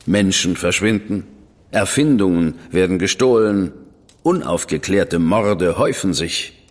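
Superior official, measured, menacing, low voice, husky, reverberant. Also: male voice, expressive. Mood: cool. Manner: measured, superior, quietly threatening. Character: cool, arrogant high official, man, middle-aged. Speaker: government official recruiting an investigator. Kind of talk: radio play acting.

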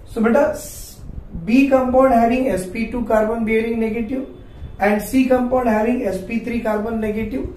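A man's voice: very high voice, steady tone, normal speed, a little mellow. A man in his forties with a South Asian accent, giving an instructional classroom lecture, repeating points and asking questions he then answers. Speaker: chemistry teacher. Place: small indoor classroom at a whiteboard. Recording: roomy echo, distant mic, faint noise.

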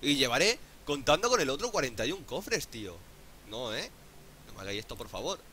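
A man with a Spain Spanish accent doing casual gameplay commentary, excitable, swearing often and pleading out loud. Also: mid-range voice, brisk, noisy background. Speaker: gaming YouTuber.

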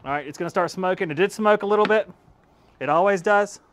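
A relaxed man in his thirties hosts a casual hands-on tool review on YouTube from his home workshop, its shelves stocked with power tools. His voice is slightly high and he talks fast, chatty and laughing at his own results, with a clip-on lapel mic picking up faint background noise.

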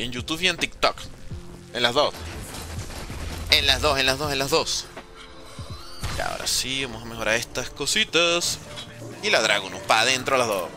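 A man in his thirties from Venezuela with a Venezuelan Spanish accent, chatting casually as a gaming streamer while reading chat and humming little sounds as he plays. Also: a little high. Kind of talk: live gameplay commentary reading chat.

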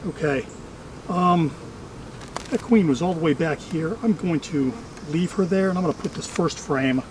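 A middle-aged man with a notably high voice talks casually through his work as a beekeeping host. He is chatty and dryly humorous. The recording is outdoors, with faint insect noise behind him. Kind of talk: casual running commentary while working. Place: outdoors among trees at beehives.

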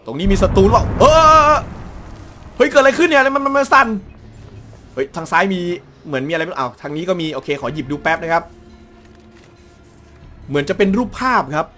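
A young man hosts a gaming let's play, speaking close to the mic with a fairly high voice. He grows excitable and bursts into exclamations as the fights heat up. Faint game music runs underneath. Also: brisk, long pauses. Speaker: gaming channel host. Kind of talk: let's play commentary and live translation of game dialogue.

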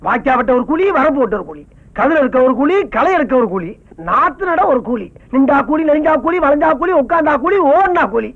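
An actor playing a comic village husband who rants and wails melodramatically in a film comedy. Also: male voice, very high voice, quick pace. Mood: grumbling. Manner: loud, melodramatic wailing and ranting. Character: comic grumbling village husband, fake-grieving son-in-law. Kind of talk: 1990s film comedy acting. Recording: dull lo-fi film soundtrack.

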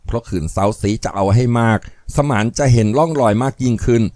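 Male audiobook narrator, rapid steady reading, dry close sound. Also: mid-range voice, no echo. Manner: steady storytelling. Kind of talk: scripted novel narration.

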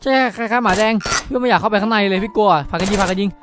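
A man giving excited, improvised gameplay commentary as host, exclaiming and repeating urgent calls, with music behind him. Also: sits high, rapid-fire. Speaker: gaming video host.

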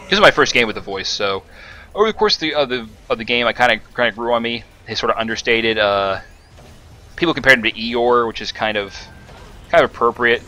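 A man's voice: mid-range voice, lively intonation, fairly quick, pushed and bright, soft background music. A man giving casual, rambling commentary over his own gameplay footage, with many fillers and restarts. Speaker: gaming commentator.

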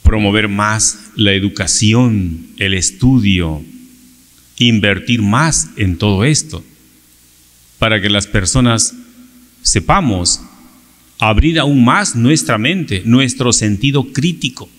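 Slow-preaching priest in a church. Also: male voice, lowish voice, expressive, a bit bright. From Peru. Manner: slow, measured preaching with gestures and rhetorical questions. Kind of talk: homily at Sunday Mass. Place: large church, at a pulpit. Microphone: pulpit microphone on a stand. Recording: long church reverb.

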